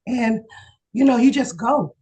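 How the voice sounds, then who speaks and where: Hoarse woman, slightly higher pitch, eager testimonial on a video call. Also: a little slow. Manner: excited, testimonial chat with laughs. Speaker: insurance agent. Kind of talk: casual video call chat.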